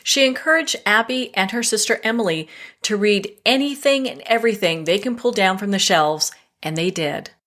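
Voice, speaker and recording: Upbeat woman talk show host, mid pitch, interview host. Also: normal speed, fairly bright tone. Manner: upbeat, laughs easily. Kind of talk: interview hosting.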